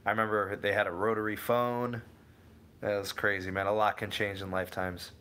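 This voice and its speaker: Bright-voiced man hosting a tech livestream. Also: fairly low pitch, level tone, a little fast, slight background noise. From Cleveland area, USA. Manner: rambling, self-correcting, answers viewers by name. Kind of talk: casual live chat reading viewer comments.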